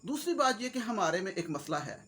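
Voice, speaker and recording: A man with a very high, bright, forceful voice and a Punjabi accent talks casually to his viewers. He rambles in a joking way, slipping between Urdu, Punjabi and English. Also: big pitch swings, a little fast. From Pakistan. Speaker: YouTuber host. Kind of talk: casual comic-motivational monologue.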